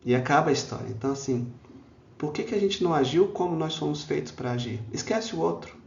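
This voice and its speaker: A man's voice: on the high side, animated, fast, gravelly, a little mellow. Brazilian man lecturing in a roomy hall. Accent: Brazilian Portuguese. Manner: conversational, frequent "né?" asides, acts out quoted voices. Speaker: spiritist lecturer. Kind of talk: public talk on a spiritist text. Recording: roomy, dull lo-fi hall recording.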